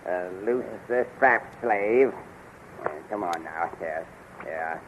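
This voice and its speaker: An actor playing a gloating villainous general and court magician in a 1930s radio serial, halting, muttering and imperious. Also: male voice, low-pitched. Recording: dull, noisy 1930s radio recording.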